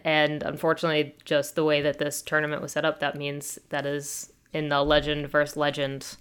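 A woman's voice: sits low, clear, resonant tone. A woman hosting a casual sports podcast, chatty and thinking aloud with fillers as she recaps matches. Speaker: soccer podcast host.

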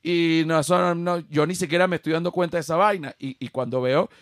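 A Venezuelan man with a Venezuelan Spanish accent hosts a podcast, trading blunt, slangy jokes in casual chat. His voice sits a little high for a man. The sound is dry and close. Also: fairly even intonation, fairly quick, fairly bright tone, dry recording. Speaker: podcast host.

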